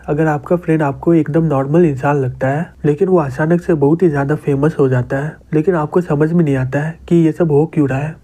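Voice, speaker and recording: Male narrator, Hindi accent, upper-middle pitch, mellow tone, plain storytelling recap. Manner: plain retelling, quotes read without doing voices. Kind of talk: storytelling recap, reading character lines in his own voice.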